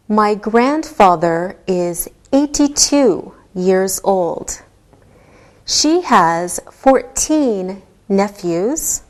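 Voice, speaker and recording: Woman english teacher, super slow and careful, patient, repeats everything for beginners. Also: mid-range voice. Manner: patient, encouraging, repeats each example.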